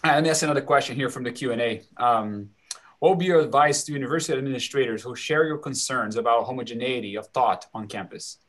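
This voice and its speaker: A man from Brazil with a Brazilian accent, moderating a discussion in a quick, friendly way. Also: mid-range voice, fairly bright tone. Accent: Brazilian Portuguese.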